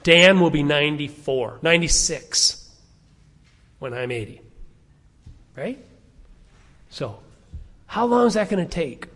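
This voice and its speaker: A man's voice: fairly high pitch, expressive, takes it slowly, pauses often, a bit bright, big-room sound. A man in his sixties preaching a conversational sermon to his congregation, often putting questions to them. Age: 60s. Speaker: pastor. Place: church sanctuary.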